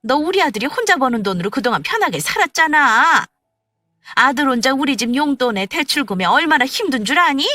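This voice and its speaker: A woman voicing an overbearing older mother-in-law with a sharp, piercing voice and a scolding manner. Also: high-pitched, big pitch swings, brisk, no room sound, pitched above the performer's own voice, full character voice. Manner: scolding, demanding.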